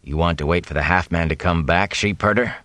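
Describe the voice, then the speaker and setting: Warder: a man playing a gruff, impatient swordsman, deep and clipped, dry. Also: brisk, fairly bright tone, no echo. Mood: curt. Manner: curt, impatient. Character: stern, gruff adult male warrior.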